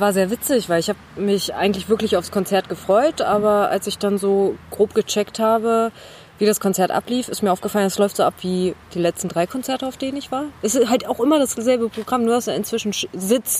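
A fairly quick delivery in an ordinary speaking voice, the pitch varying in an ordinary way. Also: woman, fairly high pitch for a woman. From North Rhine-Westphalia, Germany. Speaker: podcast guest. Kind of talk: casual chat. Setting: outdoors, school yard.

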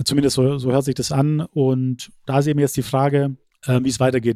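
Dark, mellow male voice at medium pitch, dry and close with no echo, in a very clean recording with a silent background. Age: 30s. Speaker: P2P investor and blogger. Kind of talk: podcast interview.

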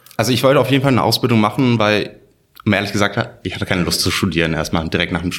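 A man speaks at a very fast pace in a fairly low voice, with ordinary pitch variation. The recording is very clean, with a silent background. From Turkey. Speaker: hotel professional. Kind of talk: panel discussion. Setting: hotel industry conference.

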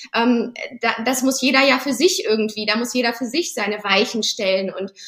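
With a fairly high pitch and ordinary pitch variation, this woman has an unremarkable speaking voice. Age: 30s. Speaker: entrepreneur and mother. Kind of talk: interview conversation. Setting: remote recording from her living room at home. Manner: many filler sounds.

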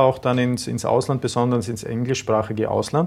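A man is speaking. His pace is fairly quick. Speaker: trade delegate and export expert. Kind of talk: interview. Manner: hesitant with fillers and repetitions.

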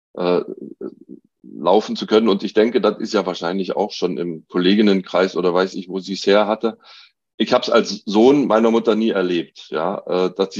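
A plain, everyday voice at a fairly quick pace, fairly even in intonation, over a quiet background. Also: man. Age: 60s. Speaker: retired deacon. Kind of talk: casual interview.

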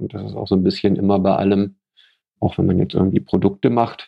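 Fairly low in pitch with fairly even intonation, this man has a normal speaking voice. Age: 40s. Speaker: investor and former start-up founder. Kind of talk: interview.

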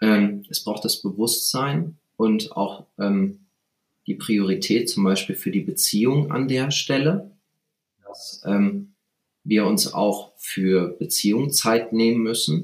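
The speech moves at a very slow pace. The intonation is lively. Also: man, medium pitch for a man. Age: 30s. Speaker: couples and sex therapist. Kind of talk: interview conversation.

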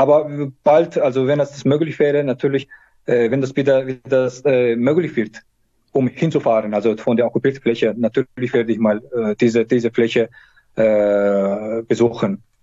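This man, with an Azerbaijani accent, talks at a moderate pace in a medium pitch with ordinary pitch variation. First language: Azerbaijani (speaking German). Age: 30s. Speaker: social worker. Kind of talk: interview. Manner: halting.

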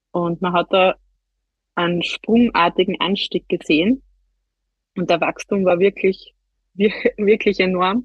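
Speaking in an Austrian accent, a woman with a medium pitch goes at a very slow pace with fairly even intonation and long, frequent pauses. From Austria, Styria near Graz. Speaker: creative entrepreneur, lettering artist. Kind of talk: interview.

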